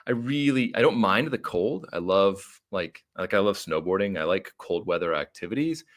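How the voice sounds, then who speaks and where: A man's voice: deep voice, expressive, normal speed. A middle-aged American man telling his story casually as a podcast guest, talkative and a little rambling. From United States (Arizona).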